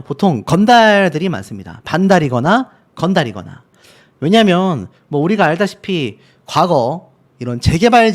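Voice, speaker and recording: A man hosting a news commentary channel, talking viewers through video clips step by step in a casual, conversational way. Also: fairly high pitch. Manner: talks the viewer through clips step by step, leading each point with an aside.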